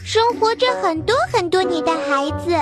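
A woman's voice: very high-pitched, lively intonation, moderate pace, music in the background. Woman doing a cheeky little white rabbit. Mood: coaxing. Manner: coaxing, cheeky. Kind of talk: storybook character voice.

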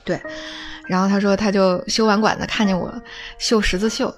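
A woman telling family anecdotes in a casual, humorous way, with many drawn-out filler particles between phrases. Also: mid-range voice, level tone, faint music behind. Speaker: storyteller recounting family anecdotes. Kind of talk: casual spoken storytelling.

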